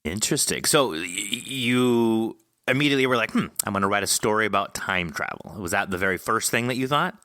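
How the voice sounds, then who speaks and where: Bright, low-voiced podcast host, man. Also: expressive, fairly quick, few pauses, dry recording, clean studio sound. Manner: effusive, rambling, informal, jokey. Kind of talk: casual interview chat.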